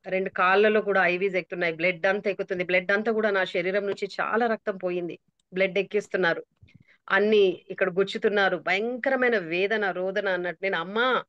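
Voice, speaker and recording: A woman's voice: medium pitch, no echo. Woman, middle-aged, earnest testimony preaching, emotional, dull muffled sound, dry. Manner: emotional, earnest, mixes English phrases. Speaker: prayer group speaker. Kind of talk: testimony sermon on a call.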